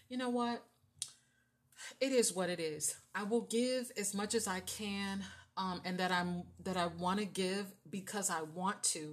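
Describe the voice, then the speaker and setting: A woman's voice: on the low side, fairly bright tone. A woman giving a casual tarot reading, with a voice she says carries and demands attention, talking in a chatty way that is full of fillers and keeps checking in with "right?". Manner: chatty, filler-heavy, often asks "right?". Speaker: tarot reader.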